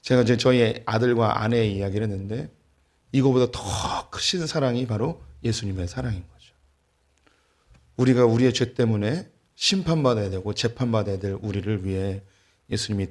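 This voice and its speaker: A middle-aged man preaching a sermon as a pastor, telling a family story with light humor and plainspoken warmth before turning to the gospel message. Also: on the low side, normal speed. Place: church sanctuary.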